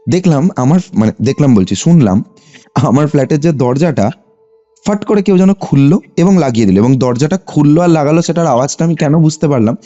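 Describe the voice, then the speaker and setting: Muffled, mellow Bengali man telling a story. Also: a little high. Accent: Bengali from West Bengal. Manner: animated telling, often seeking confirmation with short tags. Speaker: caller telling a personal ghost story. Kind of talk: conversational personal storytelling. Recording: muffled lo-fi phone call, music behind. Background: background music.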